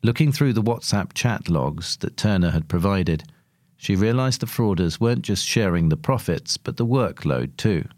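A man's voice: on the low side, lively intonation, moderate pace, darkish tone, no room sound, clean studio sound. A man reading a scripted long-form article as narrator.

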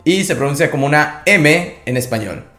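Guy teaching a language on a podcast, a bit high voice, calm, echoey room, soft music behind. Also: moderate pace. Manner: calm, explanatory.

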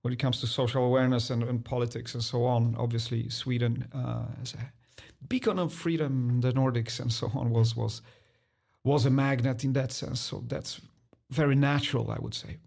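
A man in his forties who grew up in Poland and speaks English as a second language, answering interview questions in a thoughtful, halting way with many restarts. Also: medium pitch, steady tone, vocal fry, a little mellow. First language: Polish. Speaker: guest, designer.

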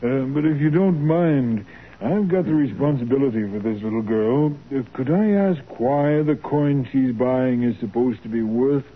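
A man's voice: medium pitch, animated, normal speed, close to an everyday voice. Guarded heavy-set crook played by a man, muffled radio. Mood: guarded, polite. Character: heavy-set male crook posing as cautious banker. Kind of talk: 1940s radio drama acting. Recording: muffled, narrow-band old radio recording.

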